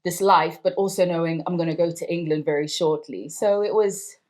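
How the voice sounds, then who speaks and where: Low-voiced woman from Zimbabwe, reflective. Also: fairly even intonation, a little fast. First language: Ndebele. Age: 30s. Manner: reflective, conversational, warm storytelling. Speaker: interviewee. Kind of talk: oral history interview.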